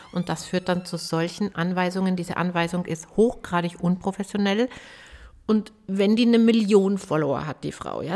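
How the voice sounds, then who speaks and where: A woman voice coach hosting a podcast lesson, chatty and emphatic, checking in with the listener as she explains. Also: lowish voice. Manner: chatty, addresses listener with tag questions; emphatic, lively. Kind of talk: casual spoken podcast lesson.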